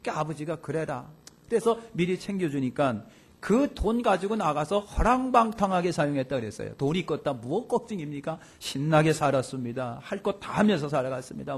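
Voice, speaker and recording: A male pastor preaching a sermon in a church, telling a story in an animated way with loud, emphatic bursts. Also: a little high, slightly rough. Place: church sanctuary.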